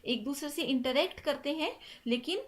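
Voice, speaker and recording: A woman's voice: sits high, moderate pace. A woman teaching an exam-prep lesson, mixing English terms into Hindi and checking in with "theek hai" after each point. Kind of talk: explaining exam questions.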